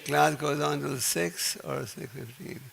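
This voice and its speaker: A soft-spoken man giving a measured lecture at a temple program, speaking into a mic for a gathered audience. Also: on the high side, vocal fry, slight background noise. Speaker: spiritual teacher. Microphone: handheld or stand mic, speaking to a gathered audience.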